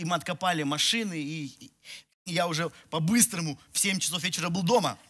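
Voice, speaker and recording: Bright-voiced pastor telling a funny story. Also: male voice, a little high. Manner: chatty storytelling, self-mocking, many restarts; walks the stage, gesturing. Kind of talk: sermon with humorous personal story. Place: large church hall with audience. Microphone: headset mic.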